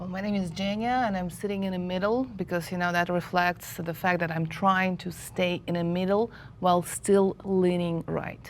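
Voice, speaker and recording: A woman with a plain, everyday voice, medium pitch and fairly even intonation, at a moderate pace with hardly any pauses. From outside US, immigrant. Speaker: panelist, immigrant. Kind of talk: panel discussion.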